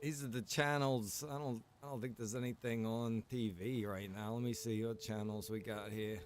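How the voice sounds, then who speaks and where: A man chatting casually in game roleplay, repeating himself and pausing as he talks. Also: medium pitch, fairly even intonation. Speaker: roleplay game streamer and server developer.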